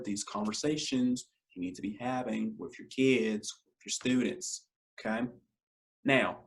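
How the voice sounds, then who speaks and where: A young man hosts an education podcast in a scratchy, deep, hoarse voice. He talks casually and directly to parents and students, repeating his key points and calling them y'all. He records on a webcam in his living room at home. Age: young adult. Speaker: podcast host.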